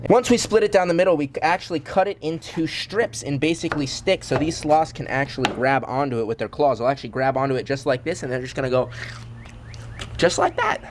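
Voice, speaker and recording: A man's voice: fairly high pitch, brisk, slight background noise. A congested young man vlogging energetically outdoors at an animal food station, often calling viewers "guys". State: congested from a cold. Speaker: zoo owner and vlogger. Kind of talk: enthusiastic vlog presenting. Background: birds screaming and monkeys.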